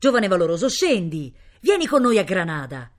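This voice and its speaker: A woman's voice: lowish voice, normal speed, close to an everyday voice. A woman voicing a jovial, generous Spanish prince in exile, insistent and mixing Spanish into the speech, in a storybook reading. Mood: insistent, festive.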